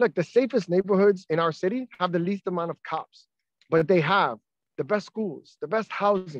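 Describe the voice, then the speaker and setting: Speaking with an American accent, a man uses a high pitch and lively intonation at a moderate pace, his voice dry with no echo against a quiet background. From Brooklyn, New York (Williamsburg). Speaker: city council member and borough president candidate. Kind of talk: interview. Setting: outdoors. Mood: upbeat, smiling. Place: garden. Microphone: phone near.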